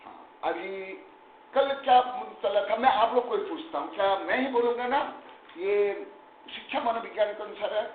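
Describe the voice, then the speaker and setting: Here the monk-teacher's voice sits high and moves at a normal speed as he chides his scripture class with emphasis, using occasional English terms. Expect a room echo, a tinny phone-like tone and some faint noise.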